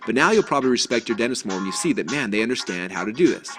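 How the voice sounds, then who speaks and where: A man's voice: medium pitch, lively intonation, very fast, over music. A man presenting a business webinar, eager and chatty, often restarting phrases and acting out little dialogues. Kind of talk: energetic business webinar talk.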